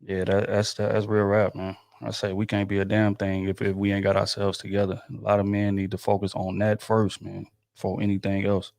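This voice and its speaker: A man's voice: fairly low pitch, completely flat delivery, a little fast, gravelly, few pauses, darkish tone, no room sound, studio quality. A male host of a casual chat show, talking in a laid-back, slangy way with many fillers.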